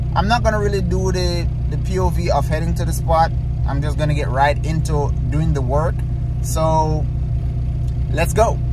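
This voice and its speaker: A man speaks with long, frequent pauses over loud background noise. The sound is dry, with no echo. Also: moderate pace. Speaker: car hobbyist vlogger. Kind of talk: casual vlog chat. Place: car. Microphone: phone near.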